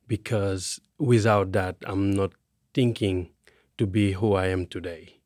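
A man from Senegal with a Senegalese accent, a guest sharing his story in a halting, deliberate way. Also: low-pitched, fairly even intonation, darkish tone, no echo, clean studio sound. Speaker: podcast guest. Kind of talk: personal testimony in conversation.

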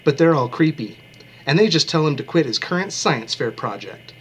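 Man, podcast co-host, dry joking summary read, lively pitch, faint noise. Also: moderate pace. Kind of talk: casual book podcast chat and read summary.

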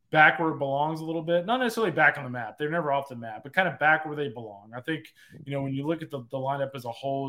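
A man's voice: mid-range voice, a bit bright. A man analyzing a team on a sports podcast, talking it through with frequent "like" fillers. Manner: analytical, heavy use of filler "like". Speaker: college baseball analyst. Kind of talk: casual sports podcast talk.

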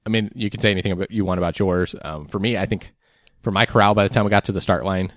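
A podcast co-host whose voice is going a little chats casually while recapping a race, rambling in a laid-back way with lots of ums. He talks very fast in a low, steady voice, recorded at studio quality with no room sound.

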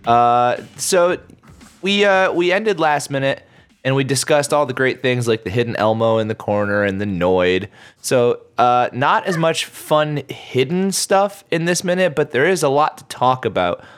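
A man in his thirties hosting a casual podcast chat, relaxed and laughing often. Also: medium pitch, a little slow. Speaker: podcast host.

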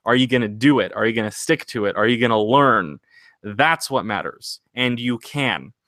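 A man's voice: medium pitch, normal speed, fairly bright tone, dry recording. A man hosting a singing podcast, talking casually and earnestly, rambling into motivational encouragement. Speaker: singing podcast host and vocal coach.

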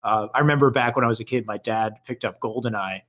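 A man hosting a stream show, upbeat and enthusiastic, firing off quick affirmations while interviewing a guest. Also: medium pitch, fairly bright tone.

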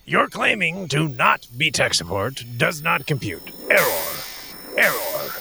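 A man's voice: on the high side, huge pitch swings, unhurried, gravelly, noisy background, exaggerated voice. Glitching robot played by a man. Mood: glitching, insistent. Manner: robotic, repeats "does not compute" and "error". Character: glitching male android, stubbornly literal. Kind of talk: improvised comedy scene.

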